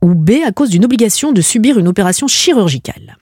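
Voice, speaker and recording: A woman's voice: mid-range voice, animated, quick pace, darkish tone, breathy edge, no room sound, clean studio sound. A woman hosting a radio quiz game, playful and teasing, laughing often between questions. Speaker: radio game show host.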